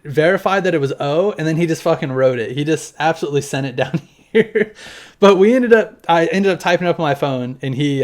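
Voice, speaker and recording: A man in his thirties talking casually to camera at home, showing off his collection in a loose, rambling way and swearing now and then. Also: on the high side. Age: 30s. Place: home room with collection on display.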